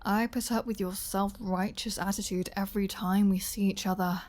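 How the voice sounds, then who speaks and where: A woman's voice: medium pitch, fairly even intonation, moderate pace, a little mellow, close to an everyday voice. A woman playing a flirty, menacing vampire in an intimate ASMR audio roleplay, teasing and sardonic, sometimes slipping toward a whisper. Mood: playful, sardonic. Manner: teasing, sardonic, drawling, drops into breathy whispers. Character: flirty, playful, menacing female vampire taunting a hunter.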